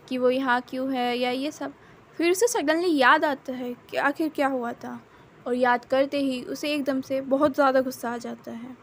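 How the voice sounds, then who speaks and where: Female story narrator, high pitch, steady plain telling, faint noise behind. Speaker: fan fiction narrator. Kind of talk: narrating her own fan fiction.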